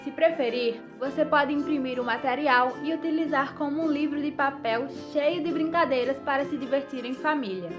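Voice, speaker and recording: Woman presenter, Brazilian, high voice, scripted podcast read over music. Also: normal speed, few pauses. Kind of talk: scripted narration. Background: background music.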